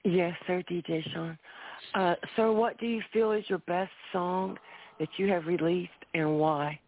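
A woman's voice: on the low side, steady tone, measured pace. A woman asking interview questions on a radio show, polite and formal, addressing the guest as sir. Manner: polite and formal, says "yes, sir" often. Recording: dry, narrow phone-like sound.

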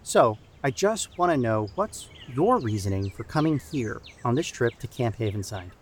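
An actor playing an earnest, encouraging church camp youth leader who haltingly repeats and restarts his phrases in an audio drama. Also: mid-range voice, lively intonation, close to an everyday voice. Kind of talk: improvised-sounding audio drama dialogue. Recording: outdoor background noise with birdsong.

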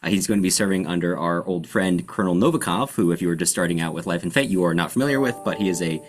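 Male podcast host, deep voice, casual explanatory delivery with halting searches for the right word. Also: soft background music. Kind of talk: casual book discussion.

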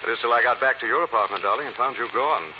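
A man's voice: medium pitch, racing, close to an everyday voice. A man playing a suave, self-assured amateur detective in an old radio drama. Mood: assured, explanatory. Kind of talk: 1940s radio drama acting. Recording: noisy dull old radio recording.

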